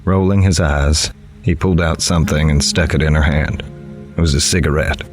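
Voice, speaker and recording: An actor playing a grave, observant newspaper reporter, narrating a horror audio drama in the first person in a measured, literary way. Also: male voice, a bass voice, steady tone. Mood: somber. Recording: music behind the voice.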